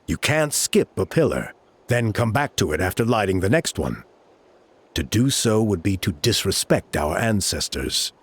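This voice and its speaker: A man's voice: on the low side, very animated, normal speed, slightly rough. A man voicing a composed tribal guide in a video game, patiently explaining the steps of a sacred rite. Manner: patient, explanatory, with a wry chuckle. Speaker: ceremony guide.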